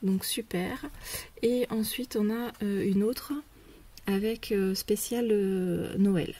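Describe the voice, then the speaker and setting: A woman presenting her craft shopping haul in a casual, hesitant way, with many pauses and fillers. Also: mid-range voice, fairly even intonation, mellow. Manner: drops to a whisper when showing items. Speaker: scrapbooking vlogger.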